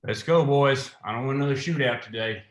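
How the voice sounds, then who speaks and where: A man's voice: mid-range voice, brisk, natural voice. A man playing a menacing, corrupt small-town sheriff in a script read, commanding and contemptuous. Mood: cold, scornful. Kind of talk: screenplay table read. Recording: roomy, echoing sound.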